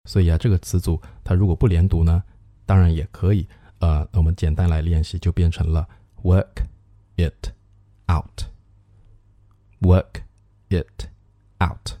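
Low, dark-voiced man teaching. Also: level tone, dry recording. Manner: patient, explains slowly, models English phrases in drawn-out repetitions. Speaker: English teacher and show host. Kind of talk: radio-style English pronunciation lesson.

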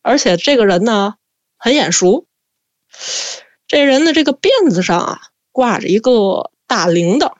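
A woman telling a spooky family story in a lively, chatty way, drawing out her fillers. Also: on the high side, measured pace, long pauses, no room sound, dull audio. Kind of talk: casual spoken storytelling.

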